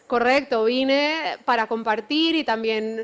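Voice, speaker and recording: With a Colombian accent, a woman talks at a fairly high pitch with ordinary pitch variation. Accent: Colombian, noticeable. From Colombia, Bogotá. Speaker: business executive. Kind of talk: panel interview.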